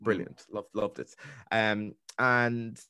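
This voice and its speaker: Host, man, 30s, Trinidadian accent, quick rambling storyteller, dry close sound. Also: lowish voice, steady tone, sharp tone, clean tone, no echo. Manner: fast, rambling, with many restarts. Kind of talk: casual storytelling chat.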